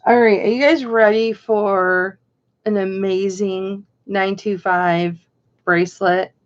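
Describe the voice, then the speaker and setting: A woman hosting a casual live jewelry auction, greeting viewers by name and chatting as she counts down bids, her voice a little hoarse. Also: medium pitch, steady tone, slow, highs cut off. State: slightly hoarse.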